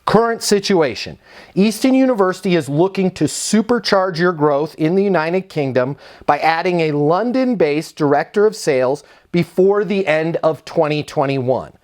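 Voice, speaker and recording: A man who founded a sales training company, giving energetic, emphatic career advice straight to the camera. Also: on the high side, moderate pace. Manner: energetic, emphatic, punchy coaching delivery. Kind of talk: direct-to-camera advice video.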